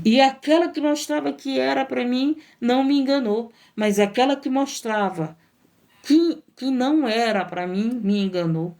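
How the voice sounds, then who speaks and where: A woman's voice: medium pitch, mellow. Woman preaching an exhorting sermon. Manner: repetitive, exhorting, emphatic rhetorical questions. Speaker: missionary preacher.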